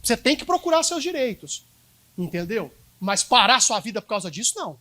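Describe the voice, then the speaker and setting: Very high-pitched and very animated, this preacher's voice sounds pushed and bright as he talks a little fast. He has a Minas Gerais accent and addresses the congregation directly, emphatic and repetitive in his sermon.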